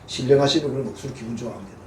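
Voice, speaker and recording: A man's voice: medium pitch, racing, a little mellow, a little hiss or hum. A man with a Gyeongsang Korean accent, preaching a sermon as a pastor in a folksy, humorous way. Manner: folksy, humorous, acts out quoted voices. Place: church sanctuary. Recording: echoey church hall, mic at a distance.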